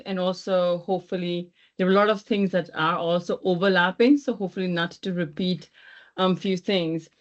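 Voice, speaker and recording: A woman from Thailand speaking off the cuff as a webinar panelist, haltingly, often rephrasing and circling back. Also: fairly low pitch. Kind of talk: extemporaneous panel remarks. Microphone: video call. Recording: dull lo-fi video call.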